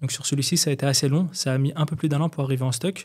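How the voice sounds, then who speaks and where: With fairly even intonation, a man talks in a somewhat breathy voice over a quiet background. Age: 30s. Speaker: Amazon seller, entrepreneur; Amazon seller. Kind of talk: interview. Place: studio. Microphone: studio mic.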